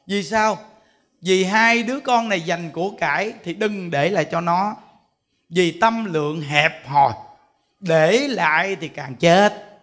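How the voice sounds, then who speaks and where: A man giving a Buddhist sermon, telling stories in an animated way and acting out the voices of the people he quotes. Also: high-pitched. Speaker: Buddhist monk teacher.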